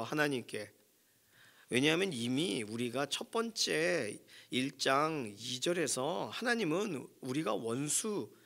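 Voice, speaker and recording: A male pastor delivers a sermon in a somewhat high voice. He stresses his points with emphasis and keeps posing rhetorical questions to his listeners. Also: fairly bright tone. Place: church prayer room.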